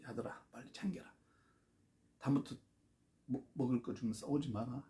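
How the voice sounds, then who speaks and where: A man's voice: medium pitch, fairly even intonation, moderate pace, warm tone, lightly acted. A man quoting a poor, despairing country mother in a Gyeongsang accent, barely changing his own voice. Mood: stern. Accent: Gyeongsang Korean.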